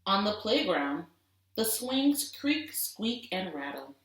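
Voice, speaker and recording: A woman teacher giving an expressive storybook read-aloud for children, deliberate and with dramatic emphasis. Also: mid-range voice. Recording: roomy echo, distant microphone.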